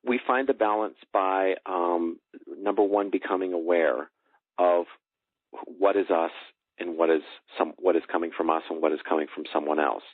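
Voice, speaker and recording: A man explaining earnestly and haltingly as an interview guest over a telephone. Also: low voice, fairly even intonation. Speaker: interview guest, energy healer. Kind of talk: explanatory talk in a phone interview. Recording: tinny phone line, roomy echo.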